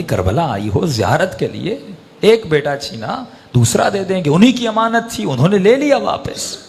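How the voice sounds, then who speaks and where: A man preaching an emotional sermon, telling a story with rising impassioned peaks. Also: mid-range voice. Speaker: religious preacher. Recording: long hall reverb.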